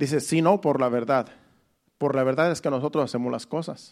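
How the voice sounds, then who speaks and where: A man speaks with a Mexican accent at a fairly high pitch and with fairly even intonation. The recording is very clean, the background silent. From Mexico, rural. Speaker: pastor. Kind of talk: sermon. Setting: church.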